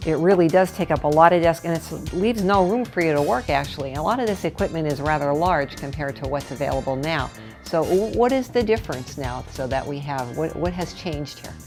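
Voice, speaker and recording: A woman speaks at a fairly quick pace in a very deep, low voice, with lively intonation, hardly any pauses, and music playing in the background. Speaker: local TV host. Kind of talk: infomercial interview host.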